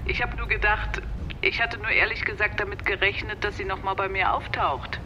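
A woman's voice: mid-range voice, steady tone, normal speed, lo-fi sound, background noise, natural voice. An actress playing a persistent, worried woman who asks hesitant questions. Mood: anxious. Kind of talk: radio drama acting.

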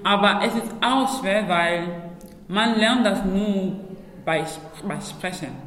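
A woman's voice: medium pitch, slow pace, fairly bright tone. Woman from cameroon, first language banzo, laughs a lot, gropes for words, echoey room. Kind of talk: interview answers. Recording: echoey room with faint ambience.

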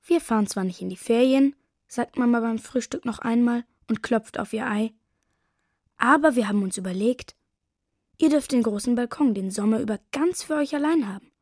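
A woman's voice: fairly high pitch, normal speed, darkish tone, dry recording, clean studio sound. A woman narrating as a boy of nearly eight. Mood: cheerful. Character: boy Pontus, almost eight, lively. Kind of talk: first-person storybook narration.

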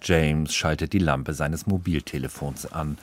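A man's voice: very deep voice, measured pace. A man narrates a scripted radio feature as a reporter, in short descriptive sentences.

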